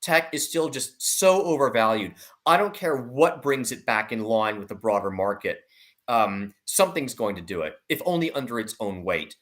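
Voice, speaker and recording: A man's voice: medium pitch, expressive, normal speed, a bit bright. Emphatic man giving market commentary. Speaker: investment analyst guest. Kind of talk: market commentary in an online discussion.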